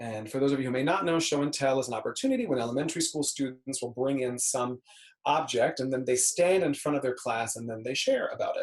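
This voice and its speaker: A man at a fairly quick pace with hardly any pauses. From Miami, Florida (Cuban American family). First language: Spanish. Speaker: public speaking coach. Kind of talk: webinar talk.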